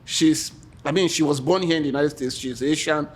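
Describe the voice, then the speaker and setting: A man's voice: on the high side, steady tone, brisk. Nigerian man chatting, laughing often. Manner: laughs often, repeats words when starting. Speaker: podcast guest, entrepreneur. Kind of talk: casual chat.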